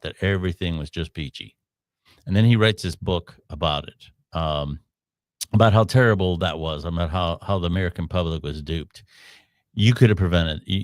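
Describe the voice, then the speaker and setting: A man's voice: on the low side, no room sound, clean studio sound. A man hosting a live podcast, giving opinionated commentary in a rambling way with frequent restarts. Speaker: podcast host.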